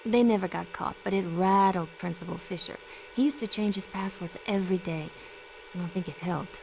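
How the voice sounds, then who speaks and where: A woman's voice: on the low side, brisk, creaky, mellow, slight background noise, rough recording. A woman playing a friendly, casual young woman with a breezy, teasing way of talking in a naturalistic video game style. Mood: breezy, playful. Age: young adult.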